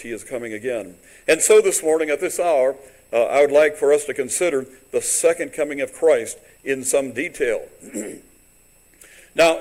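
A man preaching in a church with a rough voice and a mid-range pitch. He often halts, fills gaps with "uh" and restarts his sentences. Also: rough recording. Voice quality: halting, with many fillers and restarts. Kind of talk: sermon. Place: church sanctuary.

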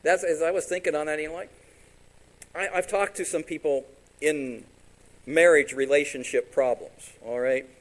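A man preaching a sermon as pastor, animated and direct, sometimes voicing imagined congregants. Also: on the high side, normal speed, poor audio.

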